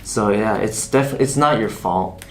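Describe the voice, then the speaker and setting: A young man in casual chat, talking gently and reassuringly to a fan with many "you know" fillers. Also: on the low side, unhurried, a little hiss or hum. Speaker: K-pop idol answering a fan.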